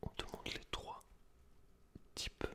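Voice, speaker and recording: A man speaks in a breathy, unvoiced whisper, informal and close to the listener, as in an ASMR reading. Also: takes it slowly. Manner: informal, slangy, talks directly to one listener. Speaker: ASMR creator. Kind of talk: whispered ASMR, casual commentary and reading aloud from a book.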